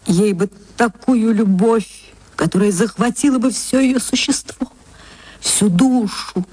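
A woman narrating a literary story for radio in an expressive, dramatic storytelling manner. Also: on the high side, takes it slowly, husky, no echo.

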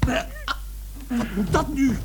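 Stammering, nervous polite interviewer. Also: female voice, high voice, slow pace, background noise. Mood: indignant, alarmed. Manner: stammering, formal, protesting. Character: nervous, polite survey interviewer, flustered young man. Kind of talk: radio play acting.

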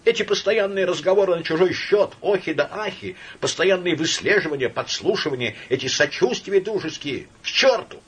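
A man voicing a young male official who is hysterical and indignant, in shrill shouting outbursts. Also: sing-song, moderate pace, creaky, breathy edge, exaggerated voice.

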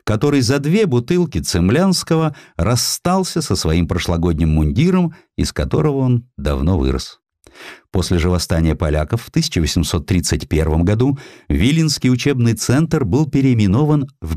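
A man narrating historical stories as an audiobook, in an expressive, theatrical manner. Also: deep voice, dry recording, clean studio sound.

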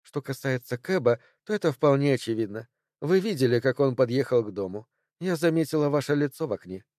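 A man voicing a composed, clever young woman in an audiobook, speaking in a calm, measured way close to his own voice. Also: medium pitch, dry recording, lightly acted. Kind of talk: audiobook character voice.

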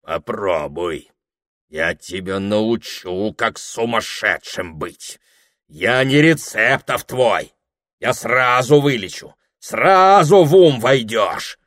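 A man voicing a huge, drunken, furious deacon who bellows long, drawn-out threats. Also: on the low side, animated, fairly bright tone. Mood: threatening.

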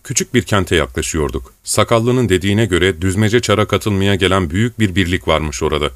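A male audiobook narrator reads in a steady, measured way. His voice sits on the low side. The recording is dry and close. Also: no echo. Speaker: audiobook reader.

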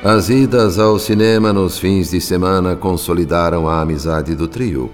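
A man's voice: sits low, moderate pace, big-room sound, faint music behind. A male narrator reading a radio drama in a dramatic, lyrical manner.

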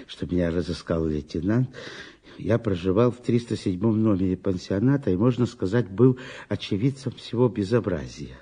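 An eager, excitable witness in an audio drama. His husky, mellow voice swoops up and down as he halts, repeats himself and bristles with indignation. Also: low voice, full character voice. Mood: polite, nervous. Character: flustered, talkative male eyewitness, eager and indignant.

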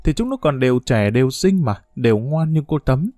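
A man's voice: mid-range voice, expressive, brisk, a little mellow, no room sound, clean studio sound. Man reading a grave news feature. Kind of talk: scripted documentary narration.

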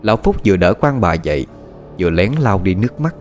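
A man with a low voice narrates a dramatic story. His delivery is measured but rises and falls widely, with soft music playing behind. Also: big pitch swings. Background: faint background music.

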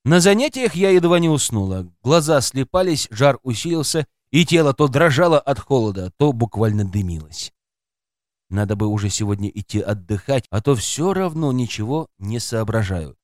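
Sex: man. Style: expressive audiobook narration, lively pitch, dry sound. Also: moderate pace, no room sound. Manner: expressive reading that voices a woman's inner thoughts. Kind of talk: scripted first-person narration.

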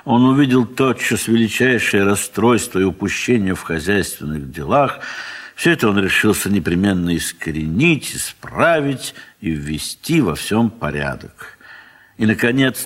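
A man narrating a literary audio play in an expressive, measured theatrical manner with deliberate pauses. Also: fairly low pitch. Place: recording studio.

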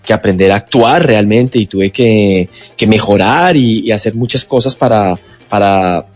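Chatty Colombian actor, radio interview. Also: male voice, lowish voice, a little slow, soft background music. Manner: relaxed, chatty, with many restarts and laughs. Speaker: guest actor. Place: radio studio.

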